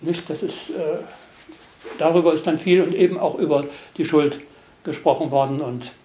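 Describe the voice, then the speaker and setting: Over noticeable background noise, a man with a fairly high voice talks at a moderate pace with fairly even intonation and long, frequent pauses. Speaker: war witness. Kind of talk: testimony. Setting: interview. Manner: halting.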